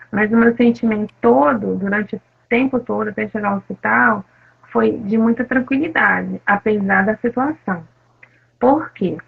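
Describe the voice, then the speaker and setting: A Brazilian woman giving a halting, soft personal testimony in an interview, with many fillers. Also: a little high, vocal fry, slightly rough. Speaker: interview guest, attack survivor. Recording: phone-like narrow sound.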